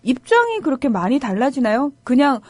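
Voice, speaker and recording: A young woman announcer hosting a talk show, asking questions in a lively, friendly way. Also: high voice, fairly quick, no room sound. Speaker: announcer and host. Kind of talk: studio talk show interview.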